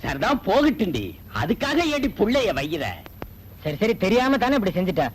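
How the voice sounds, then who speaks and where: Weary placating village husband in a film, lively and high-pitched. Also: male voice, moderate pace, a little hiss or hum, poor audio. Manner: placating, exasperated. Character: weary village husband calming his wife. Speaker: husband and father. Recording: film soundtrack with music underneath.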